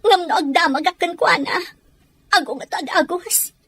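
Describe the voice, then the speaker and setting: High-pitched, emotional young woman acted by a woman. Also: normal speed, sharp tone, dry recording, exaggerated voice. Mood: hurt, pleading. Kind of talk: Ilocano serial drama acting.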